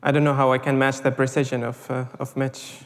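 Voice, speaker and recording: A man from Syria giving a conference talk, halting, with many "uh"s and repeated words. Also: medium pitch, level tone. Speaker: panel speaker. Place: lecture hall. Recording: echoey hall reverb.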